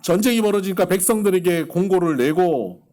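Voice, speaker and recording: A middle-aged male pastor giving a sermon, telling a story quietly and then rising into fervent exhortation. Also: sits high, lively intonation, brisk.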